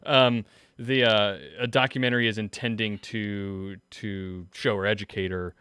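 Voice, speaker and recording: A man in a casual panel discussion, thinking out loud in halting phrases. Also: on the low side, flat delivery, smooth, no echo, studio quality. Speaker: panelist on a podcast discussion show.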